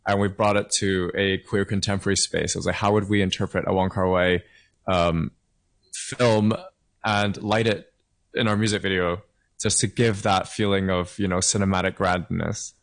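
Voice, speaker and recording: A man's voice: deep voice, level tone, moderate pace, vocal fry. A young man from Hong Kong, a singer-songwriter, chatting upbeat and friendly as a guest in an interview, laughing now and then. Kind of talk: casual interview over a call.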